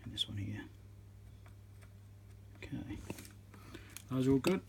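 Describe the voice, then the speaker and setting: A man giving casual hands-on commentary as he works, halting and half talking to himself while he concentrates, recorded on a phone at an indoor workbench. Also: medium pitch, expressive, gravelly, whispered. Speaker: electronics repairer, channel host. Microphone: phone on a tripod above the work. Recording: noisy room recording on a phone.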